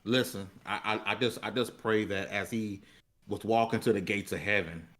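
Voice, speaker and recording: Low-voiced American man, casual podcast host. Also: fairly even intonation, moderate pace, fairly bright tone, slight background noise. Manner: colloquial, repeats words while searching for phrasing. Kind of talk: casual unscripted talk.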